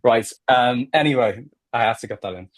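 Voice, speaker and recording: A man's voice: mid-range voice, moderate pace, dry recording. A man with a Liverpool accent talking casually and explaining things on a podcast, often checking in with "right?". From Liverpool, England. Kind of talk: casual conversational podcast discussion.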